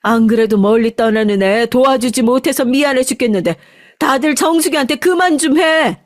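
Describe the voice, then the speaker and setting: A woman's voice: mid-range voice, normal speed, dry recording, clean studio sound, lightly acted. A woman voicing a fierce, protective middle-aged mother who stands up for her daughter. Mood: indignant. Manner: shouting, indignant.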